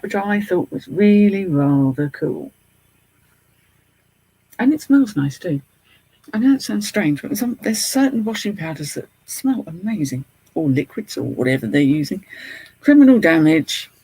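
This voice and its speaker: Lisping, husky British man chatting away. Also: high voice, darkish tone, low-quality recording. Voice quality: slight lisp from a mouth appliance. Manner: rambling, chatty. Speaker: online reseller and streamer. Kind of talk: casual live chat to viewers.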